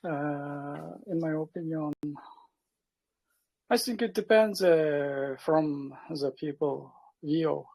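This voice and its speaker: Slow, gravelly, hesitant man learning English. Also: a little high, a little mellow, rough recording. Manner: hesitant, with many pauses and fillers. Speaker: class participant.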